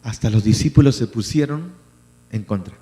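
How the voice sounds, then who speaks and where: Animated pastor in reverberant hall. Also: male voice, mid-range voice, moderate pace. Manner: animated preaching, acting out voices of biblical characters. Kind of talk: sermon. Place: church hall. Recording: church hall reverb with mains hum.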